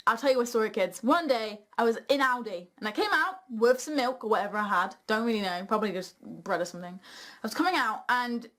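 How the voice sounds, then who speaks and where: High-voiced young British woman chatting bluntly. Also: fast talker. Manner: blunt, sweary, animated storytelling. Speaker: video host reading viewer questions. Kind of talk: casual opinionated chat.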